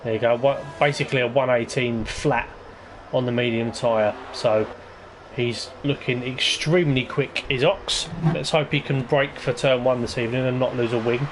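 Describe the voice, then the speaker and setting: Male league commentator, hesitant, rambling previews, mid pitch. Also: fairly even intonation, moderate pace, noisy background. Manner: rambling and hesitant, lots of ums. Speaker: lead commentator of an online racing league. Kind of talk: casual race-preview commentary.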